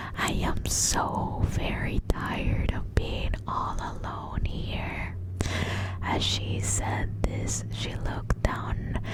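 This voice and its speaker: The voice is a whisper, delivered at a very slow pace. Behind it, background noise is noticeable. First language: not English. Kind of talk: whispered ASMR book reading. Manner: whispered.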